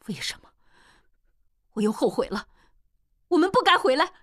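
A woman voicing a fiery young swordswoman who snaps in a shrill, angry voice. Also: very animated, normal speed, a bit bright, dry recording, clean studio sound.

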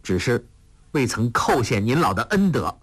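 A man's voice: medium pitch, sing-song, normal speed, fairly bright tone, slightly rough. A man voicing an earnest, humble young male disciple speaking respectfully.

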